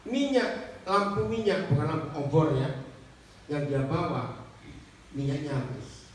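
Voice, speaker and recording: A male preacher giving an animated sermon, telling a story and quizzing his congregation directly. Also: fairly high pitch, measured pace. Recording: echoey hall from far off with faint noise.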